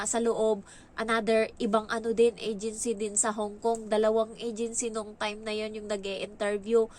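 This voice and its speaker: A young woman with a Filipino accent telling a story in casual vlog chat. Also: on the high side. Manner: chatty, acts out quoted lines in a raised voice. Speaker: vlogger.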